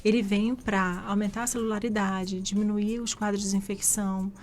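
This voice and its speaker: Woman, physician guest, mid-pitched, steady and explanatory. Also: moderate pace, slight background noise. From Rio de Janeiro, Brazil. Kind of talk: radio interview answers. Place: radio studio.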